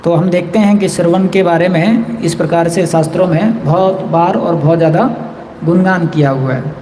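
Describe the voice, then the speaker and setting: A man's voice: fairly high pitch, fairly even intonation, normal speed, dark tone, long reverb tail, slight background noise, low-quality recording. A man giving a scripture class in a temple, explaining verses, chanting lines in Sanskrit and reading quotations in English. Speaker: temple speaker. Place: temple hall.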